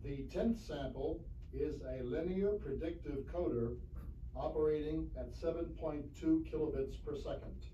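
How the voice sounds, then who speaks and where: A man reading scripted technical narration in a formal, measured manner on a 1970s flexi-disc. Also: a little high, dark tone, highs cut off. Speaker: narrator of a demonstration recording. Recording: roomy, distant, faintly hissy 1970s flexi-disc recording.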